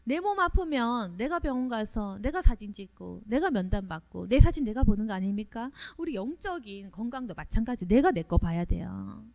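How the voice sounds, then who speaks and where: A woman pastor delivers a sermon in a high, lively voice whose pitch swoops up and down. She drives her points home with rapid strings of rhetorical questions. Every so often she laughs as she preaches. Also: gravelly. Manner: laughs now and then while preaching.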